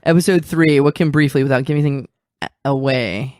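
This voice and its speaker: A man's voice: medium pitch, fast, darkish tone, no echo, clean studio sound. A man hosting a podcast, interviewing guests in a casual, conversational style.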